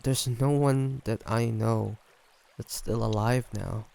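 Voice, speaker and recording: A man voicing a brooding, gentle ancient vampire in an intimate audio roleplay, speaking haltingly and pensively. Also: medium pitch, steady tone, gravelly. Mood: sorrowful, resigned. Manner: halting, soft-spoken, pensive with sighs.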